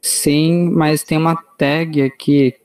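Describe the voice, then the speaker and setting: A Brazilian man asks his teacher questions during an online lesson, hesitating and searching for his words. His voice is mellow and warm. He sounds like a student on a video call. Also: fairly high pitch, little pitch movement, slow pace. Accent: Brazilian Portuguese. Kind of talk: asking questions in class.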